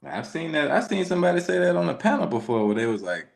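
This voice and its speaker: Gravelly man with a lively voice. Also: on the high side, fast talker. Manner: expressive and earnest, with frequent "you know what I'm saying". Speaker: podcast panelist. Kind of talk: casual chat.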